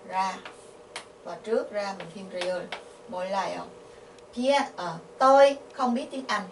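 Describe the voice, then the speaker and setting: Vietnamese-accented woman, patient grammar teacher, roomy distant sound with faint hiss. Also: mid-range voice. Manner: patient, asks the class questions, repeats syllables slowly. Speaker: Korean language teacher. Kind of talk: explaining grammar. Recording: echoey, from a distance, faint noise.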